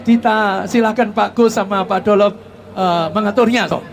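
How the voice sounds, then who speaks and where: A man's voice: high-pitched, fairly even intonation, normal speed, vocal fry, a little hiss or hum. A male pastor preaching with passion, sprinkling "so" through his talk. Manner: impassioned, repeats "so" often. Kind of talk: sermon with testimony. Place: stadium.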